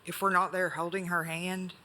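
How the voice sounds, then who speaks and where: Woman shop owner, clipped defensive answers, bright voice, faint background noise. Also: fairly low pitch, flat delivery, moderate pace. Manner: curt, defensive short answers. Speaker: business owner at a hearing. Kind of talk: answering questions at a hearing. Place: county board meeting room.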